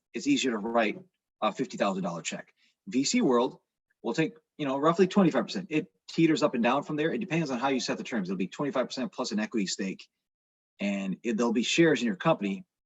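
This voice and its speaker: This man talks at a very fast pace with very wide pitch swings. His pitch sits in the medium range. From South Asia. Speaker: venture investor. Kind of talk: webinar presentation.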